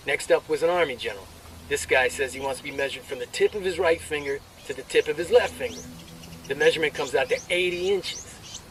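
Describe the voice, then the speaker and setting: A man's voice: fairly high pitch, fairly bright tone, slight background noise, lightly acted. Brash male soldier for a video game, played by a male actor: crude, cocky storyteller, slightly distant, over faint vehicle ambience. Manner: crude, swaggering, drawn-out punchline delivery. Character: brash, crude male army soldier cracking off-duty jokes. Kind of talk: military banter, performed joke storytelling.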